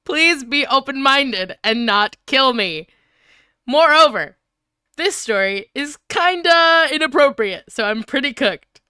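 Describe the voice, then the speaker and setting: A woman with a bright, fairly high voice reads fanfiction on a stream in a clean, dry sound. Her pitch moves around a lot, and she comes across as giggly and easily flustered. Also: animated, slow, dry recording. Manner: giggly, flustered, breaking up while reading. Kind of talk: live fanfiction reading with casual chat.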